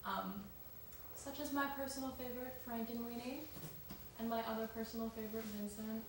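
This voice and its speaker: A woman's voice: fairly high pitch, fairly even intonation, fairly quick. A young woman co-hosting a casual chat show, talking loosely with lots of ums and asides. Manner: chatty, with many ums and asides. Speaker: co-host. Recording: echoey room, mic far off, noisy.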